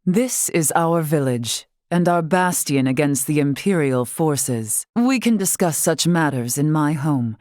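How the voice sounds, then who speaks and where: A woman voicing a dignified, wise older tribal leader and warrior in a video game, with formal, archaic, measured diction. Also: deep voice, expressive, darkish tone, no room sound, studio quality. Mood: calm, explanatory. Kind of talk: scripted video game voice acting.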